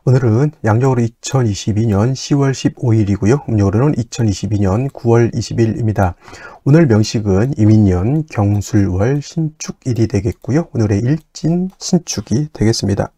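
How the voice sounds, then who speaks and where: A man teaching an astrology lesson in a patient lecture style, repeating terms one by one and often pausing with fillers. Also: on the low side, dark tone, husky, dry recording. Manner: patient, repetitive drilling with frequent fillers.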